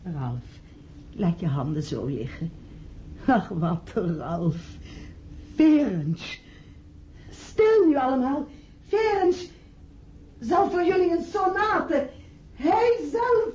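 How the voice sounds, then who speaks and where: Slow, dark-voiced, yearning mother. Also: sits high, big pitch swings, heavily acted. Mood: entranced, yearning. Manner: fussing, dramatic. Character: fussing, yearning widowed mother lost in memory. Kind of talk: Dutch radio play acting. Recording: dull, faintly noisy old radio recording.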